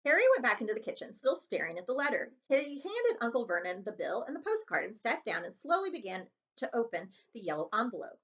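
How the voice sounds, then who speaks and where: A woman librarian reading a children's novel aloud in an expressive storytelling style. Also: fairly high pitch, a little fast, few pauses, highs cut off.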